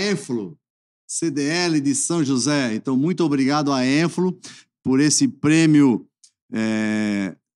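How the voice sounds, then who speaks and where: On a very clean recording with a silent background, a man speaks at a very slow pace in a fairly high pitch with lively intonation. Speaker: podcast host. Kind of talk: podcast introduction.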